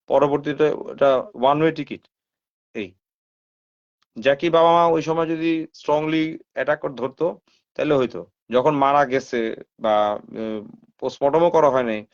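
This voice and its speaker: A man hosting a live stream with a slightly high voice. He comments casually, fires rhetorical questions at his viewers and drops English phrases into his talk. The sound is dull and lo-fi, like a live stream. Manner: talks straight to viewers, asks them rhetorical questions.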